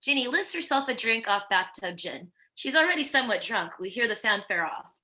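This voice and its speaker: A woman's voice: fairly high pitch, expressive, brisk, sharp tone. A woman reading stage directions as scripted narration at a virtual table read.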